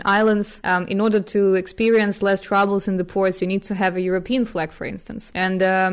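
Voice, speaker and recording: A woman whose first languages are Ukrainian and Russian answers interview questions. She talks in a smooth, clear voice at a middle pitch. She pauses often with fillers and laughs softly. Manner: thoughtful, hesitant, with frequent fillers and soft laughs. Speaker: guest.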